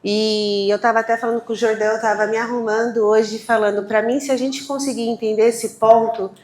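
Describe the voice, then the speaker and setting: A woman hosting a live event, talking to the audience in an energetic, quick and restless way. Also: on the high side. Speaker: event host. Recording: echoey room, faint noise.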